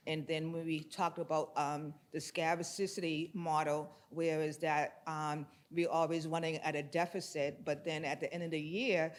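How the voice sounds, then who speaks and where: A man in the audience with a somewhat high voice who talks loudly and informally. He rambles through his points and laughs easily, holding a microphone in a conference room. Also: level tone, normal speed, hardly any pauses. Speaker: audience participant. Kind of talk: audience comment in a workshop. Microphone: handheld microphone.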